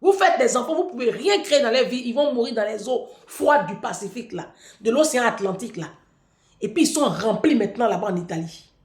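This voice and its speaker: A woman's voice: a little high, animated, fairly quick, a little mellow. A woman delivering a taunting, provocative vlog rant. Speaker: vlogger. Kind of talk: mocking monologue to camera. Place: room in France. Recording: echoey room.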